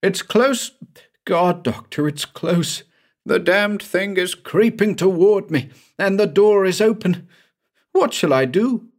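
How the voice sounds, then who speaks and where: Man voicing a shrill, panicking haunted man. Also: expressive, slow, heavily acted. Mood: terrified. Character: terrified grown man, hysterical, haunted by visions.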